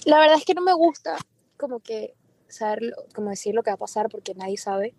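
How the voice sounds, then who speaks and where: A woman singer being interviewed, talking casually in a lively, quick way. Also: on the high side. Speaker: singer guest.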